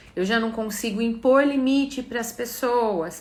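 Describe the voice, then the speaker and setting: Audible room echo and noticeable background noise surround a woman speaking at a fairly high pitch. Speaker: systemic coach. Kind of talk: live stream talk. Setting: Instagram live. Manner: fast.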